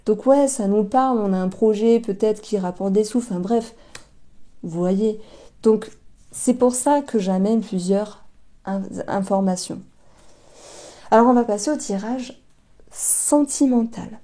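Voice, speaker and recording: Dark-voiced woman giving a chatty tarot reading. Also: medium pitch, unhurried, long pauses. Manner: chatty, hesitant, thinking aloud, addressing viewers directly. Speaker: tarot card reader. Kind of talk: casual tarot reading to camera.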